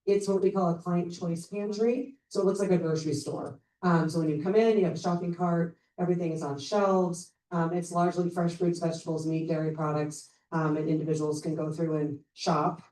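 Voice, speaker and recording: A woman's voice: lowish voice, steady tone, brisk, hardly any pauses, mellow. A woman presenting a charity's services at a community meeting, upbeat and informal with many fillers. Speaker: charity program representative. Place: public meeting room. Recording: roomy distant meeting-room mic.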